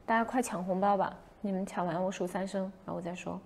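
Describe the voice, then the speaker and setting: A young woman hosting a casual livestream, telling a story in an animated way and acting out her own past shouts. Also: medium pitch, fast, creaky, a little hiss or hum. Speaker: livestream host.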